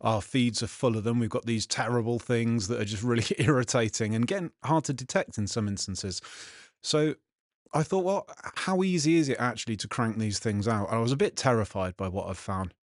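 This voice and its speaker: A man's voice: medium pitch, brisk, no echo, clean studio sound. Man with a nasal Black Country accent. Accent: Black Country English. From England, West Midlands. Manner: sardonic, irritated grumbling. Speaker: vlog host, software developer. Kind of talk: casual vlog commentary.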